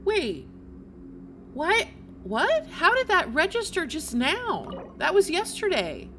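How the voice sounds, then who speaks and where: A woman's voice: very high voice, huge pitch swings, slow, bright, forceful tone, a little hiss or hum. A woman livestreamer chatting casually with her viewers while she plays a game.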